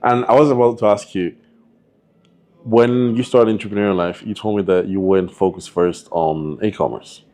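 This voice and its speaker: A man's voice: on the low side, fairly even intonation, normal speed, mellow. A man hosting a podcast interview, asking short questions and giving brief replies. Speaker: podcast host.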